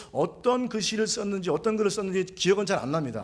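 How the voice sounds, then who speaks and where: Here a man talks at a high pitch. His pace is fairly quick. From South Korea, Gyeongsang countryside then Seoul. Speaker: pastor. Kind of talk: sermon. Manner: halting, many fillers.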